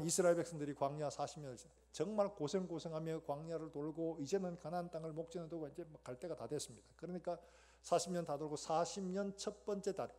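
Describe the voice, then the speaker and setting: A man's voice: on the high side, mellow, breathy edge. A man preaching a sermon as pastor, with a Gyeongsang accent, who asks the congregation questions and acts out scenes.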